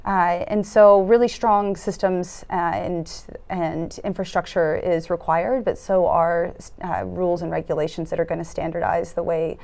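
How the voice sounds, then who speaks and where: A woman in her thirties with a fairly low voice answers interview questions in a dark studio, speaking through a lapel mic. She is earnest and thoughtful, often pausing on fillers and restarting her sentences as she works out what she means. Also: fairly even intonation, creaky. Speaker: foundation program officer, interviewee. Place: dark studio set at a conference.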